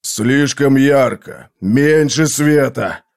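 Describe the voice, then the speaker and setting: A maddened burning man cries out in a loud, rough, dragged-out voice, as a male reader puts him on. He sounds unhinged and sharp. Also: medium pitch. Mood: pained. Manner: loud, frantic, drawn-out shouting. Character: deranged burning man, pained by light and sound.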